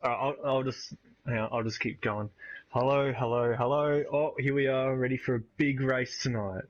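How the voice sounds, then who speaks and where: A man co-hosting a live stream, relaxed and quick to laugh. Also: medium pitch, dull audio. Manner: relaxed, laughs easily, swears. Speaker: stream co-host. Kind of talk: casual live stream banter.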